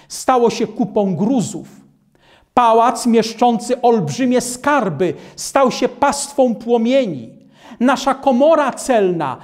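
Slow, grave older man preacher. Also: very high-pitched, a little mellow. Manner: measured and grave, stands reading from a book. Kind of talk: slow, solemn reading of historical accounts.

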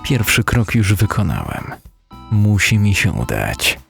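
A man narrating a dark first-person story as a dramatic, brooding audiobook reader. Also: fairly low pitch, sing-song, slow pace, creaky, soft background music. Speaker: narrator (lektor).

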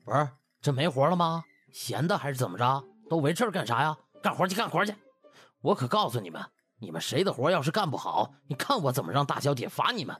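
A man's voice: mid-range voice, big pitch swings, fast, a bit bright, slightly rough, dry recording, faint music behind. A man voicing a flustered house butler, bossy and placating by turns, in a comic audiobook. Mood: scolding. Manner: coaxing superiors, snapping at underlings.

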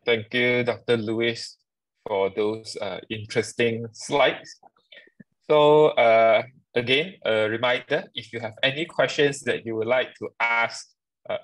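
A man moderates the questions on a webinar over a video call. He is polite and hesitant and fills his pauses often. The sound is dry and close. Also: medium pitch, fairly bright tone, no echo, low-quality recording. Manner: polite, hesitant, many fillers.

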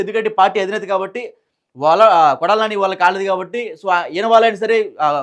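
High-pitched, fast-talking Telugu man. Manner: repeats phrases for emphasis, rhetorical questions. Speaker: news commentator. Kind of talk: informal political news commentary.

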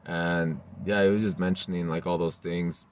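A young man giving casual reaction commentary to camera, talking haltingly with lots of "like" and "you know", recorded inside a car. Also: sits low, flat delivery, slight background noise. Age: young adult. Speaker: vlogger.

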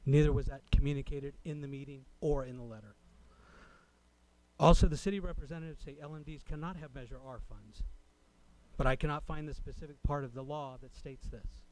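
A man speaking as a resident at a public meeting, delivering a prepared comment in a formal, deliberate way. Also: fairly high pitch, fairly even intonation, darkish tone, poor audio. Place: city council chamber.

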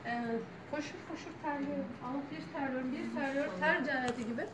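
A woman's voice: sits high, steady tone, fast, heavy background noise. A woman in a seminar eagerly telling a personal story in a rush of words. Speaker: seminar participant. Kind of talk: personal testimony.

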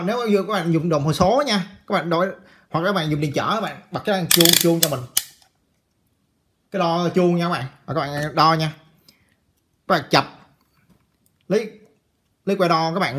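At his workbench, a talkative electronics repair instructor takes viewers through fixing a circuit board in a casual, hands-on tutorial. His voice is slightly high for a man, bright and forceful, and he repeats phrases and calls out to his audience while working.

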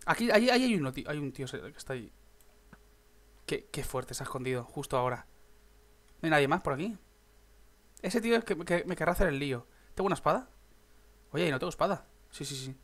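Excitable young gamer, higher voice. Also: male voice, quick pace, pauses often. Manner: chatty, swears, bursts into excited shouts. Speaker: gaming YouTuber. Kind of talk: casual gameplay commentary.

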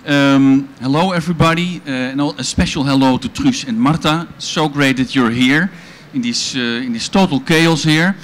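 A man's voice: mid-range voice, fairly bright tone. A middle-aged Dutch-accented man talks through a handheld mic in front of a live audience. He presents loosely, with plenty of ums and restarts. A faint hum of room noise sits underneath. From Netherlands. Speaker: organization founder presenting at a panel. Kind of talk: conference presentation. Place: event pavilion stage with audience.

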